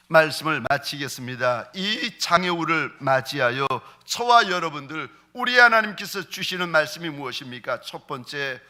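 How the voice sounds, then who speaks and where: Bright-voiced Korean pastor preaching. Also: male voice, sits high. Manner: acts out quoted voices in his preaching, ends in slow prayer. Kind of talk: sermon.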